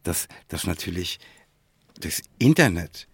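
A man's voice: sits low, sing-song, a little slow, slightly rough, dry recording, studio quality. A man co-hosting a casual podcast, talking in slang and often tagging phrases with little questions. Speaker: podcast co-host.

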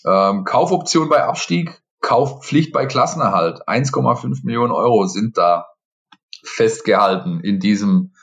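A man's voice: lowish voice, measured pace, a bit bright. A man who works as a journalist, hosting a casual podcast discussion and thinking aloud as he talks.

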